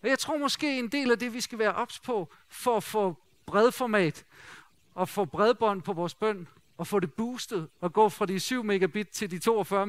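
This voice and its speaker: A middle-aged man preaching a sermon in a lively, conversational way, joking and asking the congregation rhetorical questions. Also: high-pitched. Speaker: pastor.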